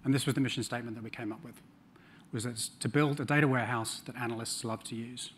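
A man's voice: medium pitch, steady tone, quick pace, slight background noise. A middle-aged man with a New Zealand accent giving a conference talk on a large stage, with dry humor and frequent ums. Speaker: conference speaker.

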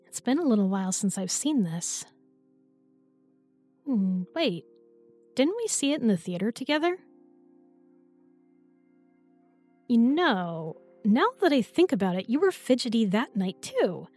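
A woman's voice: fairly high pitch, big pitch swings, normal speed, darkish tone, husky, faint music behind. A young woman playing an affectionate, teasing new girlfriend in an intimate roleplay audio, with a playful, tender, coaxing manner. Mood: gentle, teasing.

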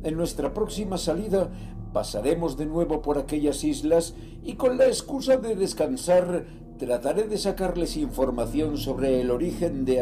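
A man's voice: on the high side, warm tone. An actor playing a greedy, restless sea captain reading out his diary in a horror audio drama.

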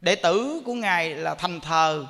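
A man's voice: fairly high pitch, lively intonation, measured pace, sharp tone. A man giving a Buddhist sermon and telling a story, often asking the audience questions. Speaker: Buddhist monk teaching. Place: temple hall. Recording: echoey hall.

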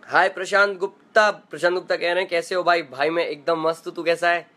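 A man's voice: fairly high pitch, level tone, fairly quick, bright, forceful tone. A young man hosting a casual live stream from his room at home, chatting playfully and greeting viewers by name as he reads their comments aloud.

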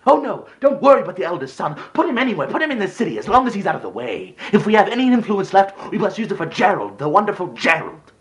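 A man performing a dramatic stage monologue as a bitter, jealous elder brother, sarcastic and emotional, moving between hushed delivery and outbursts. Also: lowish voice, very animated, normal speed, long pauses. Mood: angry outburst.

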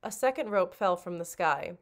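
A woman reading a children's storybook aloud like a librarian, with expressive, dramatic narration. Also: fairly low pitch, moderate pace.

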